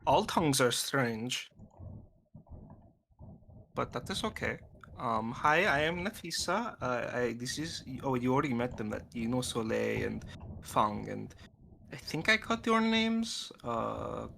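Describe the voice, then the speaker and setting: A man playing a tabletop game who talks in a hesitant, soft-spoken way. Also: mid-range voice, expressive, unhurried, gravelly, a little hiss or hum. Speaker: player.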